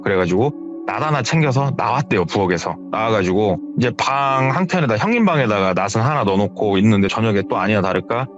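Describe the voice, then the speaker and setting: A man's voice: fairly low pitch, fast talker. A man retelling a listener's horror story, acting out the dialogue. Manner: animated, acts out dialogue. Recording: dull audio with background music.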